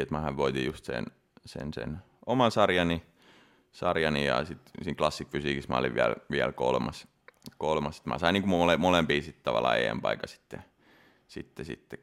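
A man's voice: extremely low pitch, gravelly, smooth. A man in his thirties, a competitor, telling a story in a casual interview with many restarts and fillers. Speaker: bodybuilding competitor guest.

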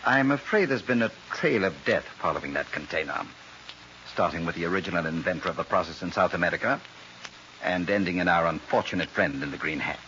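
An actor playing a cold, formal, soft-spoken murderous colonel in a 1940s radio crime drama, with an officer's precise manner. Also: male voice, low-pitched, animated, a little fast. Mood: smug, menacing. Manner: formal, precise, coldly polite military officer. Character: soft-spoken, menacing male colonel, murderous gang boss. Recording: muffled, noisy old radio recording.

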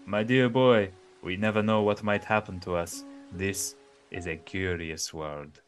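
A man voicing a kindly, patient old woodcarver father, speaking louder and higher than his narration, emphatic and a little scolding. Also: fairly even intonation, unhurried, soft background music. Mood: fatherly.

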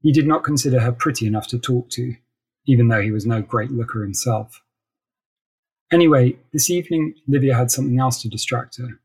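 A man narrates literary fiction in a measured storytelling style. His voice sits at a middling pitch and has a husky, less polished grain. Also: darkish tone. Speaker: narrator reading a short story.

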